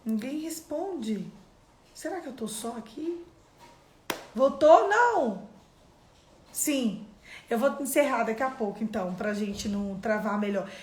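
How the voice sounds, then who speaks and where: A woman's voice: on the high side, moderate pace, darkish tone, a little hiss or hum. A Brazilian woman leading a live-streamed devotional, speaking conversationally and putting direct questions to her viewers. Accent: Brazilian Portuguese. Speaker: devotional teacher. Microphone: phone or computer on a live stream. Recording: echoey room.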